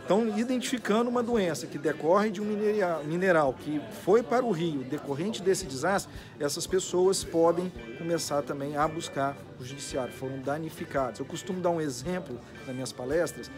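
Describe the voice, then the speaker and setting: A judge guesting on a Brazilian legal TV programme, his voice on the high side, patiently didactic, music playing underneath. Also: brisk, hardly any pauses. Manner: didactic, with hypothetical examples. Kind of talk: measured legal explanation.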